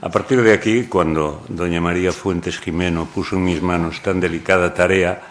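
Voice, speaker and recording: A man's voice: low voice, steady tone, normal speed. A man from Galicia, a translator, speaking wryly and digressively on a panel at a poetry event. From Galicia, Spain. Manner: wry, joking, digressive. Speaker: translator and anthologist. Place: university lecture hall.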